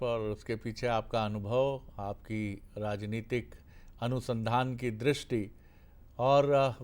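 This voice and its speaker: A man's voice: mid-range voice, a little mellow. A man hosting a televised political debate, asking polite formal questions and murmuring assent. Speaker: TV debate host.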